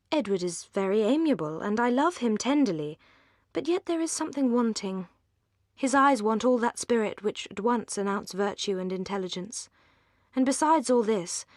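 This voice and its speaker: An earnest young English girl whose voice lifts higher and brighter than the narration, as a woman reads her. She speaks with romantic fervour, in a dry, close storybook recording. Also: no room sound, close to an everyday voice. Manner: earnest, fervent. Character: romantic, passionate teenage sister.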